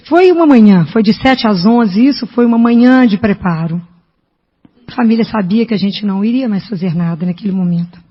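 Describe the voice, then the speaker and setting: A woman's voice: a little high, husky. A woman with a Brazilian Portuguese accent giving an emphatic preaching testimony as a lay Catholic preacher, often asking her listeners rhetorical questions. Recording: dull lo-fi recording with long hall reverb.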